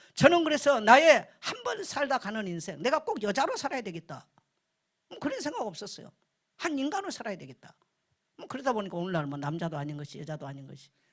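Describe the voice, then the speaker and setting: Talking at a very fast pace, a woman with a fairly high pitch sends her voice through very wide pitch swings and big shifts in loudness. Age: 70s. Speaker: pastor. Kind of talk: sermon.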